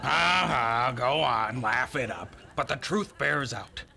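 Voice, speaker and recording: A man playing a folksy, tactless, cocksure villager in an audio drama, with a gravelly voice and blunt manner. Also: mid-range voice, animated, slow pace, sharp tone, full character voice. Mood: hearty, cocksure.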